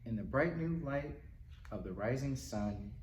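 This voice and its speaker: A man reading a picture book aloud to young children in a gentle, simple manner, with little asides to them as a storytime reader. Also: mid-range voice, lively intonation, a little slow. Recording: roomy, distant mic with faint noise.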